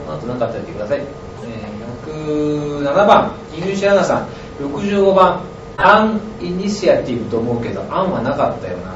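Host, male, slightly high voice, reading listener mail in a roomy room, distant dull mic with noise. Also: very animated, brisk. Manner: reads out numbered messages, chuckles often. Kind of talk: casual live-stream chat.

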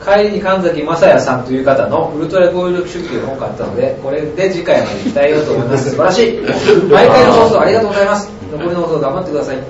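A man's voice: fairly high pitch, lively intonation, very fast, hardly any pauses, a crowd in the background. A man hosting a casual stream, reading out numbered listener messages and chuckling often. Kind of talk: casual live-stream chat. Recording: roomy, distant, dull mic with noise.

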